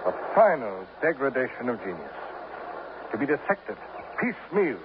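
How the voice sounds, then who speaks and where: A man's voice: medium pitch, big pitch swings, moderate pace, close to an everyday voice. A man playing a grandiloquent eccentric who lectures squirrels in florid, theatrical speech, in 1950s radio drama style on an old recording. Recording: dull old radio transcription, faint hiss.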